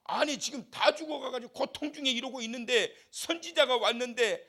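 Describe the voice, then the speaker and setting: A male pastor preaching a fervent revival sermon in a church, swinging from shouts to quiet asides and leading the congregation in call-and-response. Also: very high voice, brisk. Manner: impassioned, shifts between shouting and soft asides. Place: church sanctuary.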